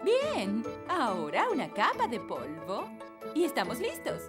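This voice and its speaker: A woman voicing a bossy fairy nanny in a children's cartoon dub, with a Latin American Spanish accent and theatrical, drawn-out delivery. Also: fairly high pitch, huge pitch swings, over loud music. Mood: brisk, instructing. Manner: theatrical, drawn-out incantations and instructions. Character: bossy fairy nanny who casts magic spells.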